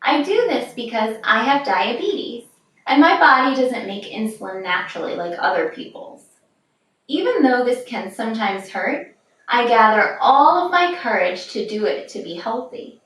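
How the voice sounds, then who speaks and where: A woman's voice: fairly high pitch, expressive, normal speed, a bit bright. Echoey, distant woman reading a children's book. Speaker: picture-book reader. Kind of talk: read-aloud of a children's picture book.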